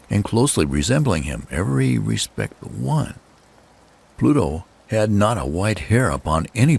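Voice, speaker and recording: Male narrator for gothic horror, heavy gravelly creak, theatrical swings in pitch, deliberate phrasing, faint noise behind. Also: a little mellow. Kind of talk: dramatic scripted narration of a gothic horror story.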